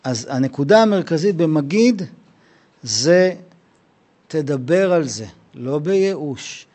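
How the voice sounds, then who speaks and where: A man gives a Torah lesson about leaving Egypt in a casual, slangy way. He keeps slipping into imagined dialogues and plays each side himself. His voice sits a little high for a man. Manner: animated, acts out both sides of imagined conversations; slangy, conversational. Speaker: Torah teacher. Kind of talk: Passover lesson with acted dialogue.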